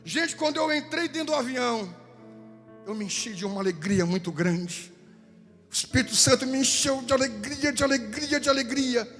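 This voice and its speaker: A man with a Brazilian Portuguese accent preaching a fervent Pentecostal sermon in a church, repeating phrases and rising to shouts. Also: very high-pitched, moderate pace. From southern Brazil. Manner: fervent, repetitive, rises to shouting. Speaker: pastor. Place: church sanctuary. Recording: church hall with long reverb, faint music.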